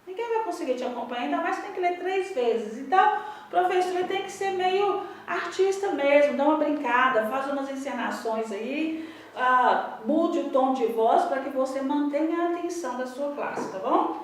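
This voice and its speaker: A woman with a Brazilian Portuguese accent training English teachers in a lively instructional talk, modeling drills aloud with varied intonation. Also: sits high, normal speed, a little hiss or hum. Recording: echoey room, voice from a distance.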